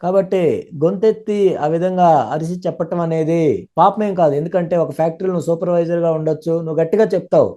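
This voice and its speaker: A man interprets a sermon live at a rapid clip. His tone is dark and mellow, and his pitch sits a little high for a man. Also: steady tone. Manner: rapid, fluent, running sentences together.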